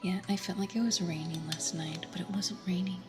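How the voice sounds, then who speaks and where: A woman hosting an ASMR livestream, chatting casually to viewers in a soft, breathy whisper. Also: on the low side, steady tone, brisk. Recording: music playing behind. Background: music.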